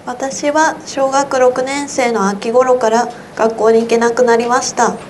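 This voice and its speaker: Teenage female student, high pitch, reads slowly and carefully at a symposium. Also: steady tone, a little mellow, slight background noise. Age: teens. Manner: slow, careful reading. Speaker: student reading her essay. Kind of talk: reading an essay aloud. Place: symposium hall.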